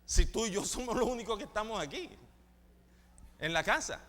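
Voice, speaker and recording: Preacher guy, high bright voice that jumps around a lot, big reverb from the church. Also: lively intonation, moderate pace. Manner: dramatic storytelling, acting out the characters' lines. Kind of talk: sermon. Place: church sanctuary.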